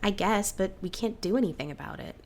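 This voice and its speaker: A woman's voice: mid-range voice, fairly quick, a little hiss or hum, lightly acted. A woman playing a cautious, resigned cryptid with a hesitant, downbeat way of talking in a naturalistic audio drama. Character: Sybil, cautious, resigned female cryptid in a small town.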